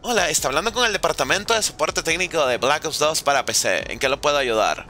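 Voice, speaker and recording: A man's voice: a little high, lively intonation, quick pace, pushed and bright, a little hiss or hum. A man voicing a polite male tech support agent in formal customer-service phrasing. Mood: mock formal.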